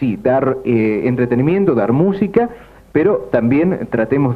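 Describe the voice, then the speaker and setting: A man at medium pitch talks at a moderate pace with very wide pitch swings. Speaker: radio host. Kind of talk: radio interview. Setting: radio studio.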